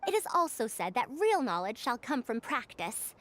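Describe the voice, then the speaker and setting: A woman's voice: on the high side, big pitch swings, moderate pace, a bit bright. A woman voicing a proud, scholarly researcher in a video game, with formal, bookish phrasing. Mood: assertive. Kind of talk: English video game voice acting.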